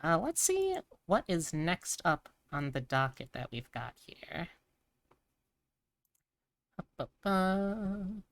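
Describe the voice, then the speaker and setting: A woman's voice: lowish voice, very animated, slow pace, no echo. A woman hosting a casual live stream, chatting and thinking aloud in a rambling way. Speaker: streamer host.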